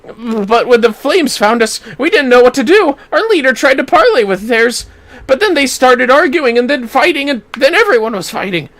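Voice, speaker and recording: A man's voice: extremely high pitch, very animated, moderate pace, a bit bright, pitched above the performer's own voice, full character voice. A performer voicing a traumatized male refugee in a fantasy game, terrified and pleading in a breathless ramble. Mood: shaken, urgent.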